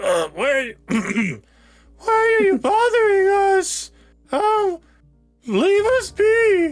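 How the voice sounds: A put-on character voice at an extremely high pitch moves at a very slow pace. Faint music plays in the background.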